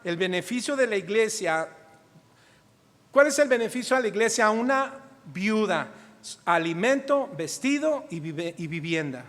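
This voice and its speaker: A man's voice: high-pitched, animated, measured pace, a bit bright, big-room sound. A middle-aged man with a Mexican accent preaching a sermon as pastor, telling stories and speaking straight to the congregation. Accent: Mexican Spanish. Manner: storytelling, addresses congregation directly. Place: church hall.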